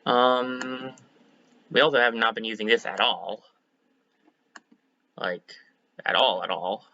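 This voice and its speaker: A slightly hoarse man streaming a game, chatting casually and thinking aloud as he corrects himself. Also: on the low side, flat delivery, slow, sharp tone, muffled recording. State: a bit hoarse. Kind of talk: casual let's-play commentary.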